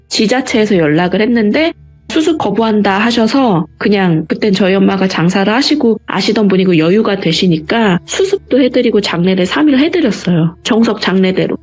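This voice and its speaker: A woman's voice: mid-range voice, darkish tone. A woman guest in an interview, retelling a personal story earnestly and vividly.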